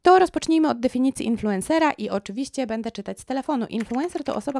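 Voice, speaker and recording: A hoarse woman with a cold, talking to camera in a lively, ironic way and stretching words for emphasis. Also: medium pitch, no room sound, studio quality. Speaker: YouTube vlogger. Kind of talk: casual commentary to camera.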